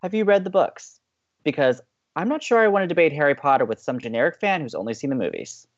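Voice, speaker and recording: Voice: medium pitch, big pitch swings, fast, muffled recording. A performer playing an upbeat, chatty young college radio co-host in an audio drama, teasing and playful. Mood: playful, animated. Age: young adult.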